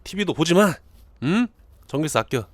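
A man streaming a horror game, talking casually and jokingly to viewers and yelling in panic at times. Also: on the high side, normal speed, no room sound. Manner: animated, jokey, shouts in panic.

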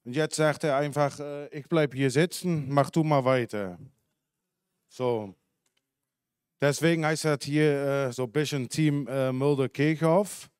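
A man in his forties from the Netherlands, a dairy farmer speaking German with a Dutch accent, giving a halting talk full of fillers and self-corrections into a handheld mic in a conference hall. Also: fairly high pitch, a little mellow, clean tone, studio quality. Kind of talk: unscripted talk at a symposium. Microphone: handheld microphone.

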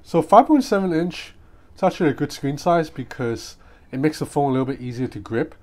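A man's voice: on the high side, animated, fairly quick, a little mellow. A man giving an informal, off-the-cuff unboxing commentary, thinking aloud as he goes. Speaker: gadget reviewer. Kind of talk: casual unboxing vlog, hands-on commentary. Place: small room at home. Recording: clearly noisy small room with outside noise. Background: ambient street noise from outside.

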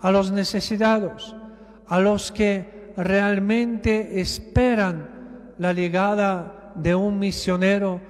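A bishop with a notably high voice delivers an emphatic sermon, taking his time and leaning on repeated phrases. His words ring out with a long echo through a large church. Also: little pitch movement. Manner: slow, emphatic preaching with repetitions.

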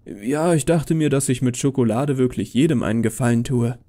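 A man's voice: mid-range voice, fairly quick, warm tone, lightly acted. A man voicing a friendly, naive, portly old man who plays Santa, with a jovial manner, in an audio horror story. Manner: jovial, kindly.

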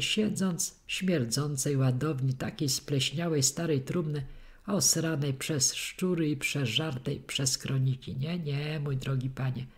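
A woman voicing a boastful, cunning male convict who leads a plot, talking coarse and swaggering. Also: low voice.

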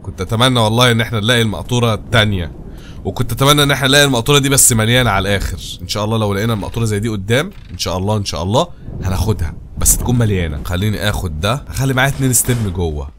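A man's voice: on the low side, racing, fairly bright tone, slight background noise. A man with an Egyptian Arabic accent giving casual gameplay commentary, chatting, joking and pleading with the objects in his game. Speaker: gaming channel host.

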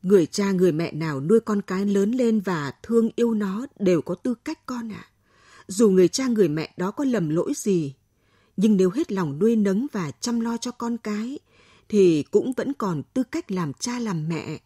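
Give me a woman doing a patient, pleading aging father from a radio storybook. He talks slowly and tenderly. The voice is breathy and sits close on a dry recording. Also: sits high, animated, mellow, no room sound. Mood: gentle pleading.

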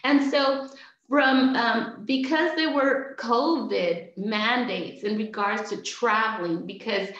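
Woman host, astrology coach, slow halting speech, ums and restarts, roomy echo, dull video call sound. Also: fairly high pitch, fairly bright tone. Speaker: interviewer and astrology life coach. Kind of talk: online video call interview. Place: room at home, indoors. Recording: echoey, slightly dull video call audio.

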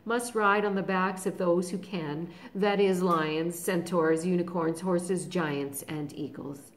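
Woman doing a regal lion leader: bold, loud, in command. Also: medium pitch. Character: commanding noble male lion king.

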